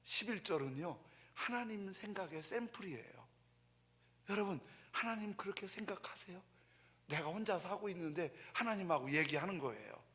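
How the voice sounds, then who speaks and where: A male pastor preaching a sermon in a church, dropping to hushed whispers and rising to shouted peaks, acting out the voices he quotes. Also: high-pitched, lively intonation, normal speed. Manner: dramatic, acts out quoted psalm voices. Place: church sanctuary.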